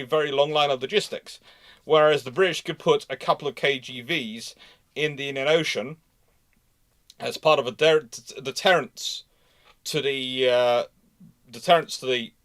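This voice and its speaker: Man explaining in halting, didactic bursts. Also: on the high side, a bit bright. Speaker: host of a live naval history show. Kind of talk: live panel discussion, unscripted explanation.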